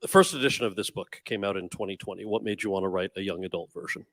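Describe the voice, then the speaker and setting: A man's voice: low voice, fast talker, a bit bright, no echo. A man interviewing an author on stage, encouraging him with short prompts and questions. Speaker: interviewer at a live author event.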